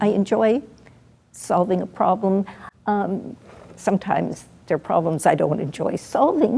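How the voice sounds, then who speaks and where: A woman with a Canadian accent speaks at a medium pitch in a dark, mellow tone with vocal fry. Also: lively intonation, moderate pace. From Canada, Toronto. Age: 80s+. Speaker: long-time church member. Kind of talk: interview. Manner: halting.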